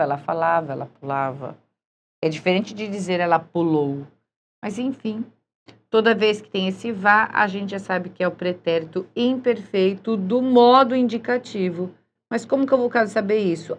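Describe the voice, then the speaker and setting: A woman's voice: mid-range voice, slight background noise. A woman teaching a recorded grammar lesson, patient and often checking in with her students. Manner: patient, checks in with frequent "certo?".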